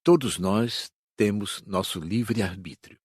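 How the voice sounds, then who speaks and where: A man with a Brazilian accent playing a calm, wise spirit teacher in an audiobook, explaining things in a measured, didactic way. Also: on the low side, husky, no room sound, clean studio sound. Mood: patient, didactic. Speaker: audiobook voice actor. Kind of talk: audiobook dramatised reading.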